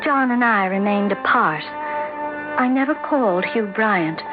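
A woman's voice: mid-range voice, expressive, a little slow, close to an everyday voice. A woman playing an anxious, earnest, troubled wife who narrates her story in a hesitant, emotive 1970s radio drama style. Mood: wistful narration. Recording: dull radio broadcast over music.

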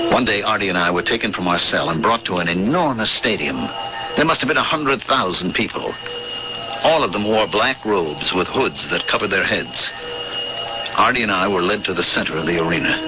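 An actor playing a wry, bewildered space captain and smuggler, acting and narrating in a 1970s radio drama like a dramatic storyteller. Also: male voice, low-pitched. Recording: muffled, hissy old radio broadcast.

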